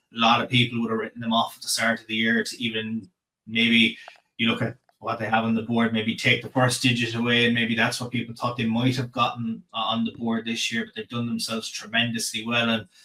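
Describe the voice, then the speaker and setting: This man talks at a fairly quick pace in a medium pitch. His intonation stays monotone and flat. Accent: Irish. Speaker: podcast host. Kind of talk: sports podcast discussion.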